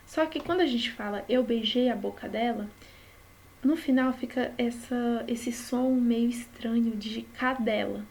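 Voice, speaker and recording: A woman's voice: fairly high pitch, unhurried, creaky, a little mellow. Woman explaining patiently, Brazilian accent. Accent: Brazilian Portuguese. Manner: explains patiently with frequent tag questions. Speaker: teacher. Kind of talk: study-with-me lesson.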